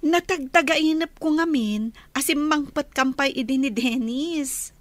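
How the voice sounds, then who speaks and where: An actress playing a dreamy young daughter in a radio drama. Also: female voice, high-pitched, measured pace, no room sound. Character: young woman dreaming of her wedding.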